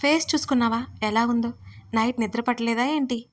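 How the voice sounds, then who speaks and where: Woman reading as a smug bossy young boss, teasing and domineering, storybook romance figure, fairly high voice. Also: a little fast, natural voice.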